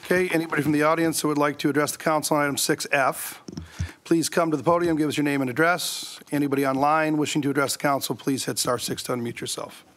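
Brisk man chairing a council meeting. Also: a little high, fairly even intonation, fairly bright tone. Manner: brisk procedural, reading agenda items. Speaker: mayor chairing city council. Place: council chamber.

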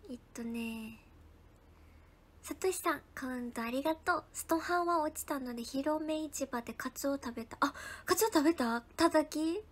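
A young woman with a bright, high voice chats casually with her livestream viewers. She thanks people one by one and keeps dropping into hushed, whispered asides. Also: normal speed. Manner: chatty, thanks viewers by name, drops into soft whispered asides. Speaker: idol livestreamer. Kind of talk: casual livestream chat reading viewer comments.

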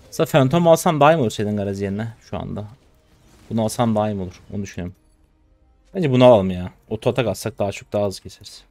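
A man in his twenties from Turkey giving casual live commentary on his own gameplay, chatty and trash-talking, with sudden loud excited shouts, on a close desk mic. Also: on the low side, no room sound. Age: 20s. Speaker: gaming streamer.

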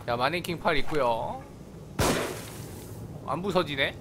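A man's voice: a little high, animated, measured pace, background noise. A man giving casual live commentary on a video game, playful and exclamatory, talking back at the characters. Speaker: gaming video host. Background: video game sound.

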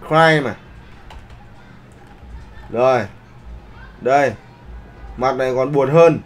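Medium in pitch and slow in pace, this male art instructor teaches live online. He often makes sure his students are with him, and his speech uses polite particles.

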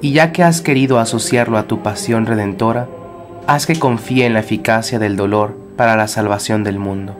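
A man reciting a prayer aloud in a solemn, measured way. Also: lowish voice, over music. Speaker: prayer reader.

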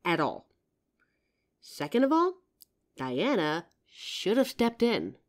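A woman's voice: lowish voice, wildly swooping pitch, slow pace, heavily acted. A woman playing a loving, protective girlfriend in an intimate comfort roleplay, tender and earnest with some teasing. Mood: firm, comforting. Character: loving, protective girlfriend reassuring her partner. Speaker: audio roleplay performer.

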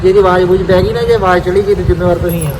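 A young man with a high-pitched voice. He chats casually in teasing, mocking banter, recorded over loud vehicle and outdoor noise. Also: steady tone, very fast. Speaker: vlogger's partner. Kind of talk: casual chat.

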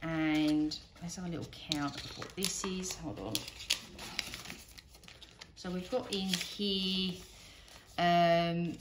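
A woman's voice: fairly low pitch, steady tone, slow, long pauses, noisy background. A British woman chatting casually as she narrates a hands-on task, thinking aloud in a rambling, self-deprecating way. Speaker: budgeting vlogger. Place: indoors at a wooden table.

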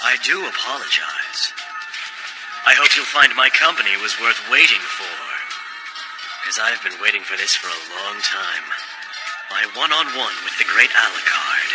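Suave male vampire played by a man, boastful, mock-polite, lowish pitch, loud music behind, anime dub. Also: lively intonation, normal speed, close to an everyday voice, poor audio. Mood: smug. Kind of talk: English anime dub acting.

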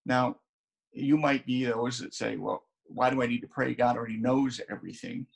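An older pastor in his sixties gives an earnest, chatty sermon, his voice gravelly and a little husky. He speaks at a middle pitch to a camera set at desk distance in his sunroom at home. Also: fairly even intonation, moderate pace. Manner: earnest, conversational, with frequent restarts.

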